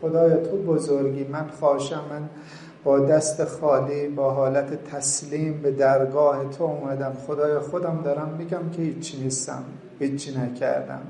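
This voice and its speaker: A man's voice: fairly high pitch, little pitch movement, mellow. A man in his forties leading a devotional supplication sermon, pleading fervently and reciting Arabic prayers. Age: 40s. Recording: echoey room, faint background noise.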